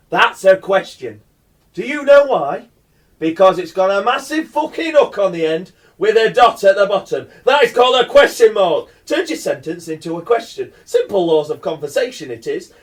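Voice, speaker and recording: An actor playing a foul-mouthed, rambling madman in a radio play, theatrical and quick to swing into threats. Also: high-pitched. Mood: indignant, threatening. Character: foul-mouthed, menacing, rambling madman telling absurd tales.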